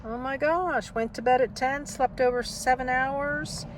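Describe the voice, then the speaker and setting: A woman's voice: high-pitched, steady tone, measured pace, slight background noise, rough recording. An older woman in a casual vlog, reminiscing and reading aloud in a wistful, rambling, reflective way. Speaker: vlogger. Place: inside a parked car.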